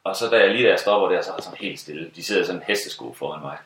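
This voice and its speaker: A man telling a funny story about a gig he was hired to play, in casual chat, laughing often. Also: sits low. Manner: lively, laughs often, acts out other people's voices. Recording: roomy sound from a distant mic.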